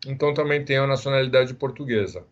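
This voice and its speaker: A man in his sixties, from Israel, speaking as a psychiatrist guest in a casual interview, telling his story in a measured, unhurried way. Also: medium pitch, muffled recording. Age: 60s.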